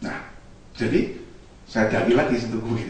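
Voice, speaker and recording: Noticeable background noise and audible room echo around a man's fairly quick speech. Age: 70s. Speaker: professor and former bank executive. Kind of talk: motivational talk. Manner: halting.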